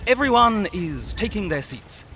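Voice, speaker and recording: High-pitched, animated news reporter. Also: male voice, a little slow, a little hiss or hum, exaggerated voice. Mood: excited, suspenseful. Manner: dramatic, announcer-like delivery. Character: breathless futuristic news reporter covering a public trial. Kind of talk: live broadcast news commentary.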